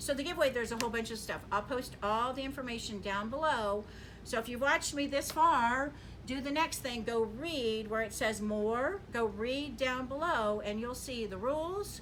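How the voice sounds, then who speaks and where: A high-pitched woman at a moderate pace, with audible room echo and noticeable background noise. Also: ordinary pitch variation. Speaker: sewing and quilting business owner. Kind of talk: tutorial.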